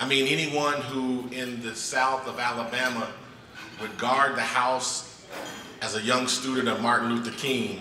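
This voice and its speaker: A man speaks very slowly as noticeable background noise runs underneath. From Muncie, Indiana. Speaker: pastor. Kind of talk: eulogy speech. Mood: earnest, reflective. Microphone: podium.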